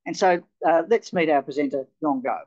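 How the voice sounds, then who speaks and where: A man's voice: fairly high pitch, a little fast. A man hosting a networking event and interviewing his guest, friendly and hesitant with many fillers. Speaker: host. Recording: dull lo-fi recording.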